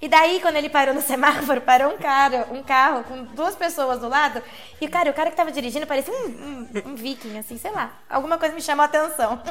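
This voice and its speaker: Fairly quick in pace, a woman speaks with a high pitch and ordinary pitch variation. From interior of São Paulo state, Mogi Mirim. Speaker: podcast co-host. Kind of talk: casual chat.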